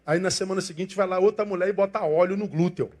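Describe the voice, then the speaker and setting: An older pastor with a Brazilian Portuguese accent delivers a passionate sermon at a quick pace. His voice is high with fairly even intonation, though he shifts from loud emphasis to soft asides.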